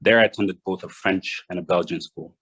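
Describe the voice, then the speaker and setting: A young man from Rwanda giving a prepared address, measured and read from notes with small restarts. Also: sits low, a bit bright, husky, poor audio. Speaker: guest speaker.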